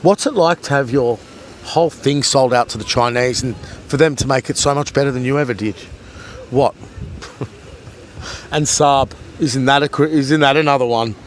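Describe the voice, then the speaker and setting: A man's voice: mid-range voice, normal speed, slight background noise. A man vlogging at a beach, rambling and taunting a commenter. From Australia. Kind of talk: rambling vlog monologue. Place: outdoors at a beach.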